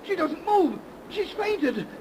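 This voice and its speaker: A young man playing an earnest young husband who is quick to alarm, in 1930s radio drama style. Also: very high-pitched, very animated, full character voice. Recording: noisy 1930s radio recording.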